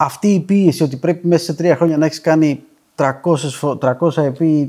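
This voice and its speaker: A man's voice, dark and mellow in tone. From Greece. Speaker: tech company founder and CEO. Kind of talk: interview conversation.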